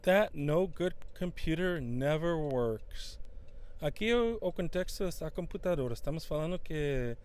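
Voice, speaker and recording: A man's voice: a little high, animated, a little mellow. Man teaching in Portuguese. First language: English. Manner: switches between English and Portuguese, halting with fillers. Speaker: English teacher. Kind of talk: bilingual English lesson.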